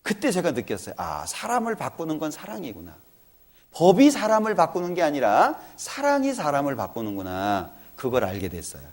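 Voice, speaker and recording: A middle-aged man giving a church lecture, telling an earnest personal story about his family and acting out their talk. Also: fairly high pitch.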